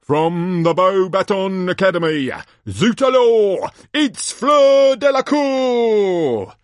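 A man voicing a bombastic sports announcer from a storybook, a booming showman with drawn-out theatrical calls. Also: lively intonation, dry recording, studio quality. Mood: showy, excited. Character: bombastic male sports announcer hyping a tournament.

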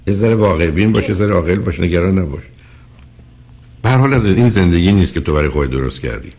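Older guy counselor, lowish voice, blunt and teasing with callers. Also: expressive, a little mellow. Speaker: counselor host. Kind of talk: call-in advice talk.

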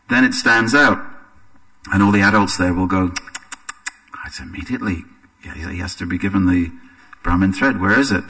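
An English man giving a scripture class in a temple, relaxed and anecdotal, with frequent hesitant fillers. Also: fairly low pitch, breathy edge, recorded from a distance, low-quality recording. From England. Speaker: religious teacher. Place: temple hall.

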